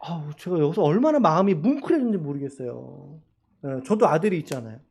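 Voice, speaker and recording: A man's voice: a little high, big pitch swings, quick pace, vocal fry, mellow, husky. A man preaching a sermon as a pastor in a church, asking the congregation questions and crying out quoted lines dramatically. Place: church sanctuary.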